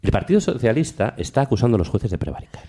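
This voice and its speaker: A man's voice: mid-range voice, very animated, very fast, warm tone. A male host giving casual political commentary, emphatic and joking, repeating himself for stress.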